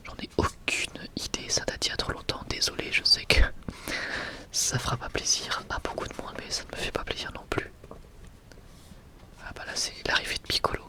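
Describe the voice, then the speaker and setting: A soft, breathy whisper with no voicing carries this informal ASMR showcase; the creator sounds unhurried and somewhat unsure.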